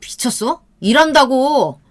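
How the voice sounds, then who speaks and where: A woman's voice: on the low side, expressive, a little slow. A woman voicing a volatile, scheming young boyfriend who snaps in anger and then turns coaxing. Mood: angry shouting. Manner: snapping, hostile, then suddenly soft.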